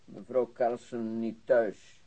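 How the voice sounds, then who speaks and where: A man acting as a timid, ailing immigrant in a radio play. He speaks slowly in halting, broken phrases, on a slightly dull recording. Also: medium pitch, level tone, mellow, natural voice. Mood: subdued, halting. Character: timid foreign Turkish man, ill, halting speech.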